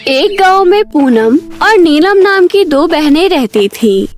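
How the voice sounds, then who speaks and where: A woman's voice: very high voice, sing-song, slow pace, faint music behind. A woman narrating a scripted cartoon story.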